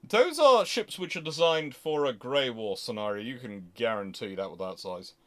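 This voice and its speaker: A man's voice: mid-range voice, lively intonation, moderate pace, a bit bright. Discursive man thinking aloud while answering questions. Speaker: host answering audience questions. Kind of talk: unscripted question-and-answer talk.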